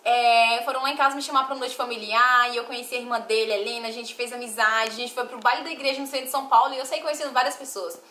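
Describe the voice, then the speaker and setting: Young woman, light Bahian accent, high voice, emotional confessional vlog. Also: fairly even intonation, racing, hardly any pauses, pushed and bright, echoey room, slight background noise. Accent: softened Bahian Portuguese. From Bahia, Brazil. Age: young adult. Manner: emotional, confiding, talks straight to viewers. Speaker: vlogger. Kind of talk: personal life story vlog.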